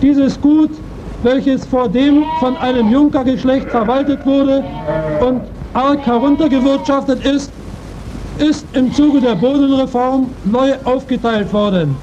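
Male 1940s reporter, slow and formal, noisy dull archive sound with sheep bleating. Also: extremely high pitch, fairly even intonation. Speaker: radio reporter. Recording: muffled, noisy 1940s archive field recording.

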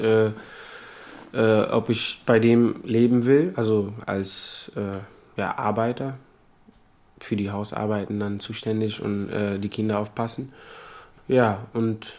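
Low, even-voiced man telling his story. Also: slow pace. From Africa. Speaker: interviewee retelling a film and own childhood. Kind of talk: unscripted personal storytelling.

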